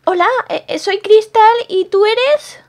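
A woman's voice: very high-pitched, a little slow. A woman playing a jumpy, stammering young woman. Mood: jittery, flustered. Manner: stammering, repeats words when startled. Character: jumpy young woman, easily frightened and fussy. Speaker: roleplay channel host. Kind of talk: improvised game roleplay.

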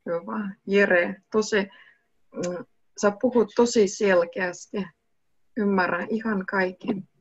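A young woman teaching a language over a video call, speaking slowly and patiently and switching between two languages. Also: mid-range voice, fairly even intonation, breathy edge, dry recording. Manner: slow, patient, switches between Russian and Finnish. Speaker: online Russian teacher. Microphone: video call webcam mic. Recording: muffled, dry video call audio.

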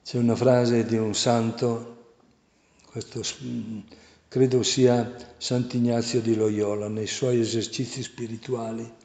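Slow, soft-spoken priest in an echoing hall. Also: male voice, mid-range voice, flat delivery. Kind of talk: meditative preaching and narration. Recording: roomy, reverberant hall sound.

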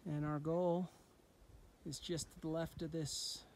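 A man's voice: on the high side, a little slow, noisy background. A man casually narrating an off-trail mountain hike, talking to his camera outdoors in rocky terrain. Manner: relaxed, offhand commentary. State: out of breath at times. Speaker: hiking vlogger. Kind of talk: casual narration while hiking. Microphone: handheld camera.

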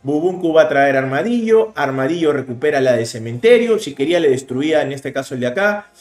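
Animated Peruvian man explaining card plays. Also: fairly high pitch, reverberant. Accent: Peruvian Spanish. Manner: animated, explaining plays rapidly with bursts of emphasis. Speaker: card game streamer. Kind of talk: casual gameplay commentary. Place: indoor room, webcam overlay.

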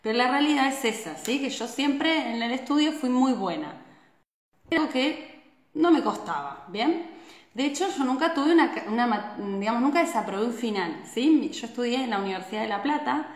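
A woman's voice: on the high side, moderate pace. A woman in her thirties from Argentina with an Argentine Spanish accent, hosting a casual live stream, chatty and full of tag questions, filmed on a phone at arm's length in a small indoor room. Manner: chatty, frequent tag questions, animated hand gestures. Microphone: phone camera at arm's length. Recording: echoey room.

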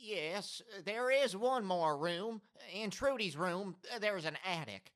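A man's voice: high-pitched, lively intonation, takes it slowly, a bit bright, exaggerated voice. A man playing a folksy, easily alarmed farmer father in an amateur audio drama. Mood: compliant.

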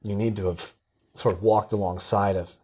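A young man interviewing a pastor in a studio, speaking in measured phrases on a lapel mic. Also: lowish voice, fairly even intonation, darkish tone, husky. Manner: measured, frequent brief agreement. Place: studio set with bookshelves.

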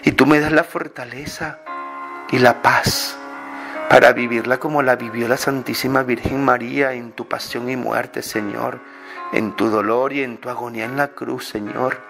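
A man leading a slow, fervent spoken prayer, pleading and pausing often. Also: mid-range voice, fairly even intonation. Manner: pleading, fervent, many pauses. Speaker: prayer leader. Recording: clear music bed under the voice. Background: music.

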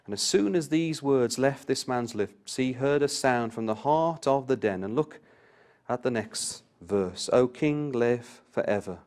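A man's voice: mid-range voice, expressive, measured pace, darkish tone. A man giving a Bible study talk, reading scripture aloud with rising emphasis and turning to the listeners with direct questions. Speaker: Bible class speaker.

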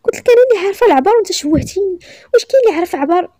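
A woman's voice: high voice, very animated, racing, no echo, studio quality. A woman voicing a proud young woman who answers back sharply, in a read-aloud story. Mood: indignant. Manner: defiant, sharp retorts.

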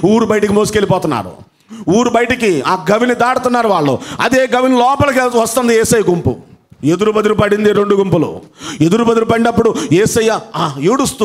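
High-voiced fervent male pastor preaching. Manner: dramatic storytelling, repeats phrases for emphasis; fervent, exclaims hallelujah. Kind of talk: sermon.

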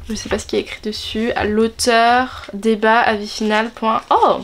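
A woman's voice: a little high, fairly even intonation, normal speed, a little hiss or hum. Brief: young woman book vlogger, shy and hesitant, many fillers, keen, camera at desk distance. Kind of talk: casual book haul chat. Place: bedroom in front of a bookshelf, indoors.

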